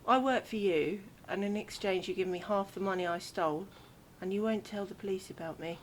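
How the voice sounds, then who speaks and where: A woman's voice: mid-range voice, brisk, a little hiss or hum, close to an everyday voice. A woman playing a sceptical, grudging bank robber on the run in an audio drama. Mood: dry. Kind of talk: amateur audio drama acting.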